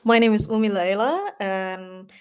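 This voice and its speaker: A woman from Indonesia talks in an easy, casual way as a guest on an interview show. Her speech wanders and is full of "you know" and "like". Her voice sits at a middle pitch. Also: animated, a little slow, darkish tone, smooth. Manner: chatty, many fillers like "you know, like". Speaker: guest, herpetologist.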